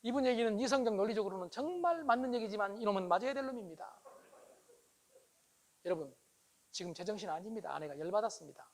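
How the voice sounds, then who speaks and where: A man giving a humorous lecture to a live audience, animated and teasing, often acting out dialogue. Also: high-pitched, fast talker, pauses often.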